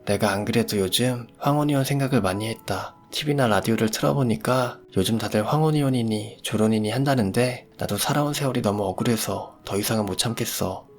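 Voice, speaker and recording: A fed-up older mother-in-law speaks out bitterly, as a male reader lifts his voice to play her. The tone is pushed higher than his own over faint background music. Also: a little fast, hardly any pauses, lightly acted. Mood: resigned. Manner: accusing, then tearful and resigned. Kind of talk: storytelling radio drama voice.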